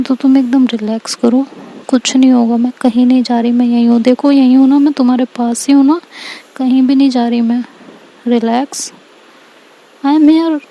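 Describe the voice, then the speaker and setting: Woman voicing tender, firm comforter, young woman, mellow tone. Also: a little high, fairly even intonation, moderate pace. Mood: soothing. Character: young woman soothing her partner.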